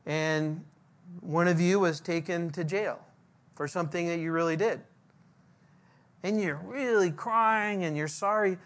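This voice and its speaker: Slow, deliberate male pastor. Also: high voice, a bit bright. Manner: slow, deliberate teaching with rhetorical questions. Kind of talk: verse-by-verse sermon.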